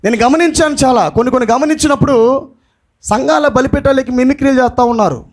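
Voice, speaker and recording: A male pastor delivers an impassioned sermon at a quick pace in a very high voice, dropping in English phrases and shouting the lines he wants to stress.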